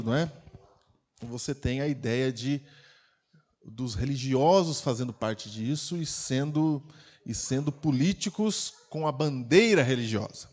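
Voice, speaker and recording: A man with a Brazilian Portuguese accent, preaching a sermon as pastor in a conversational way, full of rhetorical questions and sharp swings between quiet and loud. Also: medium pitch. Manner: loudness rises and falls sharply. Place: church.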